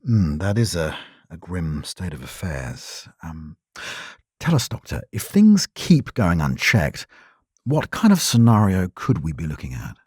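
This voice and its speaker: A man playing a composed radio news host in a sci-fi audio drama, speaking in a measured, formal, probing way with a husky voice. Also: deep voice, big pitch swings, darkish tone, no echo, clean studio sound, full character voice. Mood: grave, subdued. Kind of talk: scripted broadcast news delivery in an audio drama.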